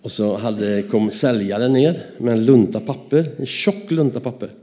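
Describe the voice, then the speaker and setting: A Swedish man giving a lively Christian testimony as a story, acting out the dialogue. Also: mid-range voice. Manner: animated, acts out dialogue in his stories. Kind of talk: anecdotal storytelling.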